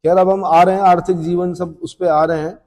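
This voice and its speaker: A man teaching an exam coaching class, firing off quiz questions and answering them himself, brisk and scolding. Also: high-pitched, level tone, mellow, long reverb tail. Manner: drills students with questions and answers. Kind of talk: rapid-fire exam coaching lecture.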